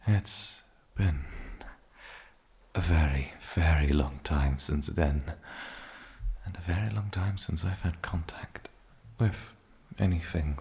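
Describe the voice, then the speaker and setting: A man playing an eccentric, lonely, ancient island demon in a soft-spoken fantasy ASMR roleplay, with a gravelly low voice and musing, polite pauses. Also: exaggerated voice. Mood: guarded, wistful.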